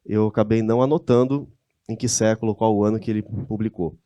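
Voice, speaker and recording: A man's voice: fairly low pitch, fairly even intonation, fairly quick, mellow, dry recording. A man with a Brazilian Portuguese accent giving a conversational lecture, often asking his audience rhetorical questions. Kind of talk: church-hosted lecture with slides.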